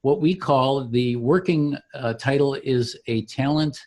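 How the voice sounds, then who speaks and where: A man giving an informal software demo as a company founder, explaining each click like a salesman. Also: medium pitch, unhurried. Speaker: company founder demonstrating his product.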